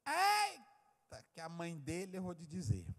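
A pastor, preaching a sermon and swinging from quiet asides to loud cries. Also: male voice, a little high, lively intonation, brisk. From Brazil. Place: church hall. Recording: long church-hall reverb.

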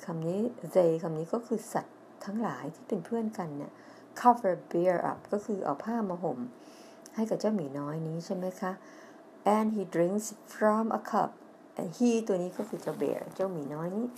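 A middle-aged woman with a Thai accent teaches English on television, reading a children's story line by line. She reads the English slowly and loudly, spells words letter by letter, then explains them quickly in Thai. Her voice is fairly low, with slight background noise.

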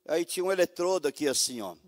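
A man giving a fervent testimony as a pastor in a Pentecostal church service, moving from hushed storytelling to loud exclamations of praise. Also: fairly high pitch, expressive, fast talker, dry recording, clean studio sound, in a large hall.

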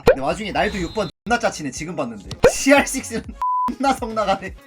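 A man giving comedic, excitable football video game commentary, swearing and yelling out player names. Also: sits high, quick pace, music in the background. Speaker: gaming YouTuber.

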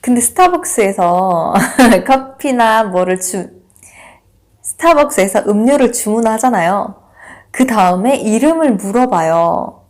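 A young woman vlogger telling a personal story in a casual, animated way, laughing often and acting out what people said. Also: fairly high pitch, measured pace.

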